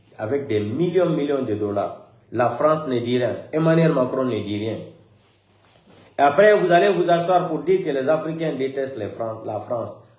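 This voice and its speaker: A man talks at a moderate pace with a fairly high pitch. His intonation is lively, and there is audible room echo. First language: not French (speaking French). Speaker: political commentator. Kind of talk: political commentary. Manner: animated.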